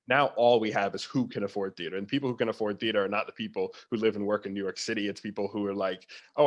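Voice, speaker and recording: A man speaking as a theatre producer in a conversational interview, opinionated and emphatic, repeating phrases to stress his point. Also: on the low side.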